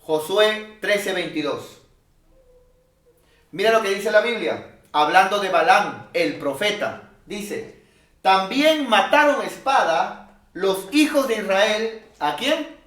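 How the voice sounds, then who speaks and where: A man preaching a sermon as pastor, emphatic, swinging from loud calls to quiet asides. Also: high voice, lively intonation, slow, roomy sound. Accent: Peruvian Spanish.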